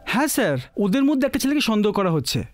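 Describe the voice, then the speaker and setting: A deferential junior man in a film melodrama, hurried and eager to obey. His voice is high and swings animatedly, and the words come fast. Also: big pitch swings, faint music behind. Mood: deferential, urgent. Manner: hurried, obedient, reporting. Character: flustered, deferential hotel employee or junior subordinate. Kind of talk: Bengali film melodrama acting.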